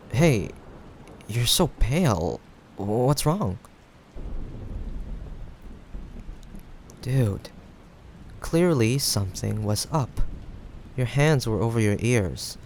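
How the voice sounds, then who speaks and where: A young man playing a playful, caring friend in a casual improvised audio roleplay, teasing yet reassuring, with hesitant pauses. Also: mid-range voice, very animated, darkish tone. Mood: concerned. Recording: faint background noise, rain ambience. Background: rain sound effects.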